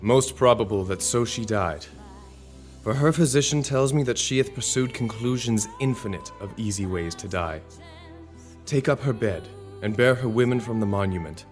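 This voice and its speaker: A grave Roman ruler in a Shakespearean audio drama, played by a man, with a low voice over music. He declaims in a formal, measured way, stately and used to command. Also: lightly acted. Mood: solemn, commanding.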